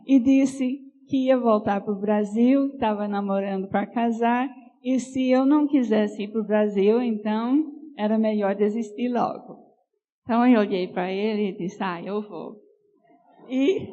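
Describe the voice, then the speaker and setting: Slow soft-spoken older woman from Canada. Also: fairly high pitch, highs cut off. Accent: Northeastern Brazilian. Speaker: pastor's wife sharing testimony. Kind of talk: personal testimony and poem reading in church.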